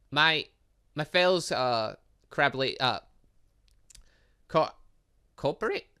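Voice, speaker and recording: A man hosting a gaming video, reading visual novel dialogue aloud with casual asides, stumbling over words and correcting himself. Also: a little high. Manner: animated, exclaims and reacts playfully.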